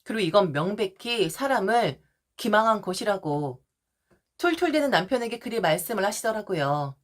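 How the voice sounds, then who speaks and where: A woman narrating a first-person family story in a confiding, expressive way. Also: medium pitch.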